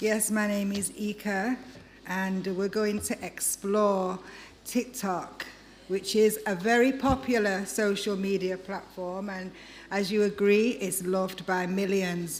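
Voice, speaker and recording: A woman speaks at a very slow pace, her pitch medium. Audible room echo surrounds her voice. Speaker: documentary filmmaker and speaker. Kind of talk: interactive talk to audience. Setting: stage with audience. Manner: animated.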